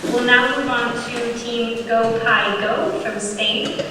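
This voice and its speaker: A woman moderating a live question session, polite and brisk as she hands over between teams. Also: a little high, little pitch movement. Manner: brisk, polite, scripted transitions. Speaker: event moderator. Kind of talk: hosting a live Q&A. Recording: echoey hall from far off, noisy stream.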